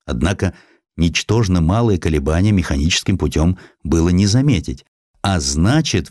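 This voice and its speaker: A man with a low voice reads scripted historical prose as a narrator. His intonation moves widely and expressively, with a measured dramatic delivery. The recording is close and very dry. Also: darkish tone, dry recording. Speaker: audiobook narrator.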